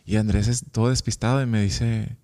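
Young Mexican man, casual interview guest, lively storyteller who acts out quoted lines. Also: on the low side, fairly quick. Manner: animated, acts out quoted dialogue.

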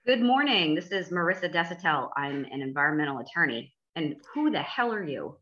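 A woman hosting a casual chat podcast, with a forceful, bright tone and a somewhat low pitch. She teases in a dry, blunt way and quizzes her co-host. The recording sounds dull and lo-fi. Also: sing-song, fairly quick. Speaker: host, environmental attorney.

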